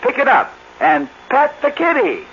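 An American man acting a brash, excitable TV comedian and game show host in a 1950s radio drama, glib and showy, on an old recording. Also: very high-pitched, a little slow, dull audio, a little hiss or hum, full character voice. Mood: playful, cooing.

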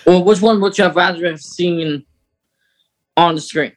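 Man podcaster with a higher voice. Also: normal speed. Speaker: podcast host. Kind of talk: casual chat discussing a story.

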